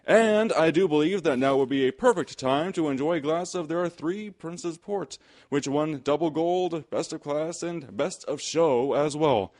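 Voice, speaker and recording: A man's voice: on the high side, a little slow, darkish tone. A man announcing on a radio drama, reading a scripted sponsor message in a polished sales delivery.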